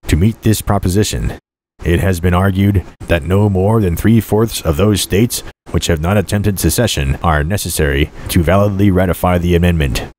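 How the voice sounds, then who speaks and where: A man reads a historical political speech aloud as formal oratory, with measured, deliberate phrasing. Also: low-pitched, a little mellow, slight background noise, poor audio.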